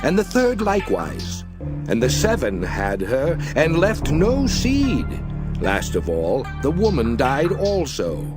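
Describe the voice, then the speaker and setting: Man acting swooping, slow-talking scriptural challenger. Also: mid-range voice, wildly swooping pitch. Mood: slyly testing. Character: Sadducee, testing male questioner posing a contrived riddle. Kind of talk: dramatized scripture reading. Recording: voice over prominent background music.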